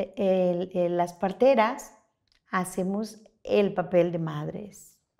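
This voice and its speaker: A woman's dark, mellow voice at a very slow pace over a quiet background. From Mexico. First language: Spanish (speaking Czech). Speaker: traditional midwife; guest. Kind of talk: interview. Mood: warm, calm. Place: studio.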